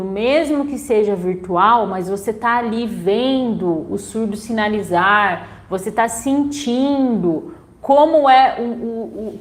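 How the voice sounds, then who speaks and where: Young Brazilian woman teacher, slightly high, chatty class delivery. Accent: Brazilian Portuguese. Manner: chatty, frequent "né?" tags. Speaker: sign language teacher. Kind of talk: online class talk.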